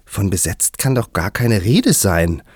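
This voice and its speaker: A man's voice: lowish voice, sing-song, moderate pace, no echo, studio quality, voice pushed up. A man voicing a prim young girl who speaks in an indignant, proper way. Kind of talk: audiobook character voice.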